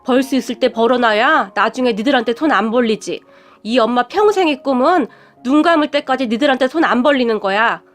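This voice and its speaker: A woman's voice: a little high, a little fast, soft background music, close to an everyday voice. Woman voicing a weary, proud middle-aged mother. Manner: sighing, pleading, stubborn.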